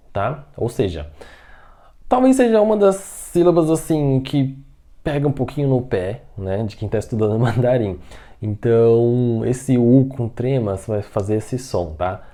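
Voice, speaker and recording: Mellow-voiced man teaching a lesson. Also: mid-range voice. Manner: patient, repeats words slowly and checks in often. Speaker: Mandarin teacher. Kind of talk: online language lesson.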